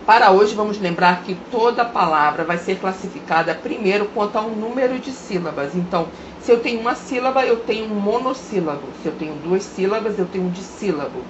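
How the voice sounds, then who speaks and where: A woman teaching a grammar lesson, sounding out example words slowly and deliberately. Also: mid-range voice. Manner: slow, drawn-out pronunciation of example words. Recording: roomy, dull lo-fi recording with faint hiss.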